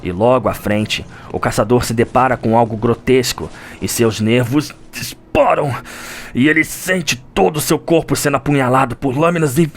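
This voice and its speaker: A man's voice: mid-range voice, normal speed, slight background noise. A Brazilian man delivering a solemn, theatrical scripted narration in the manner of a suspenseful audio drama. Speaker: narrator of a video game lore audio drama. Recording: music under the voice. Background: background music.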